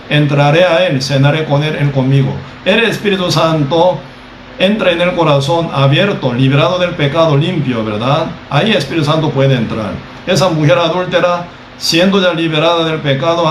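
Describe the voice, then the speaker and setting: A male preacher from Costa Rica gives a measured sermon in a slightly higher-than-usual voice, frequently repeating "¿verdad?" to check in with listeners as he teaches. The recording is roomy and echoey, with faint ambient noise.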